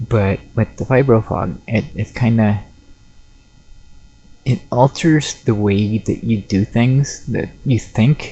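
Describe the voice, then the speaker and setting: A man talks at a very slow pace and medium pitch with ordinary pitch variation. His voice is somewhat breathy. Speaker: DIY vlogger. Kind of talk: casual DIY vlog narration. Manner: halting, repeated false starts.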